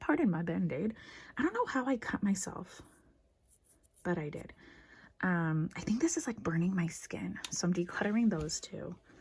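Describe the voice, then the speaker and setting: A quiet woman's voice with vocal fry, lively intonation, and long, frequent pauses. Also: moderate pace. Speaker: beauty vlogger. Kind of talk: makeup review vlog. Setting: at home, bathroom vanity. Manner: quiet, low voice; casual, filler-heavy.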